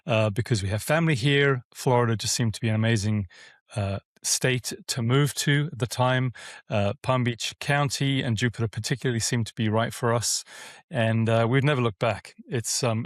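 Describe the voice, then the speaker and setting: A man from Africa, talking casually as an interview guest. He wanders through his answers with frequent restarts and fillers. His voice sits at an ordinary middle pitch and is recorded close in a dry room. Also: no echo. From South Africa. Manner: rambling with many restarts and fillers. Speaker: guest, property management business owner.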